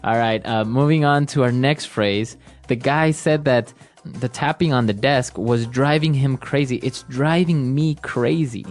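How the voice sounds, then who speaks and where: A man's voice: mid-range voice, measured pace, faint music behind. A man co-hosting an English-learning podcast, steering the segments in a casual teaching chat and checking in with frequent "all right" and "very good".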